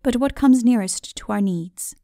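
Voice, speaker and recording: A woman narrates a classic fantasy tale in a high voice. Her delivery is measured and formal, as dramatic audiobook storytelling. The sound is very dry, with no room around it. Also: dark tone, no echo.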